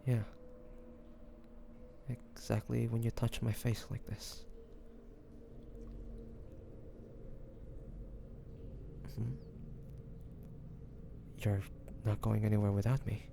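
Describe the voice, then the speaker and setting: A man playing a devoted, nervous young man in love with his best friend, speaking softly and hesitantly in an intimate romantic audio roleplay. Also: fairly low pitch, little pitch movement, takes it slowly, pauses often, noisy background. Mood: wistful. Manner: hesitant, stammering, breathy sighs.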